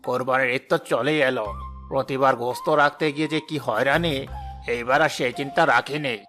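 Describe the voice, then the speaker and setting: Brief: man voicing a brash, bragging rich villager for a cartoon; bright, forceful, mid-pitched voice. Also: steady tone, a little fast, faint music behind, close to an everyday voice. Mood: boastful. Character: boastful wealthy middle-aged village man, show-off. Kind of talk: cartoon voice acting.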